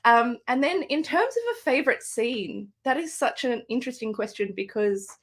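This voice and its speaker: A woman's voice: on the high side, expressive, normal speed. An Australian woman, an author, speaking thoughtfully with fillers and restarts in a live book interview over a video call. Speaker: guest author.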